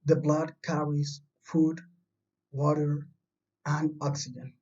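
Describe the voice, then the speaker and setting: The speaker is a primary school science teacher from Chile, teaching young children through a recorded remote lesson. Delivery is slow and mellow, medium-pitched with little pitch movement, patient and reassuring, and the lo-fi home recording sounds distant and dull.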